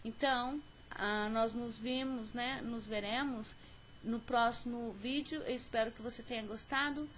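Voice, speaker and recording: A woman with a Brazilian Portuguese accent teaching an English lesson on video, slowly stressing each example word. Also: on the high side, steady tone, a bit bright, a little hiss or hum. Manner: slow, clear teaching pace with stressed example words.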